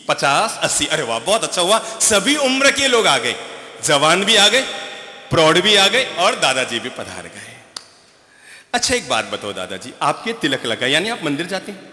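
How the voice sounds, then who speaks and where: Male preacher at a stadium crowd sermon, playful and coaxing, high lively voice, very bright, long echoey reverb. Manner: playful, coaxing, calls people up on stage. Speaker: spiritual preacher. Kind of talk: live sermon with audience interaction. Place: large stadium gathering.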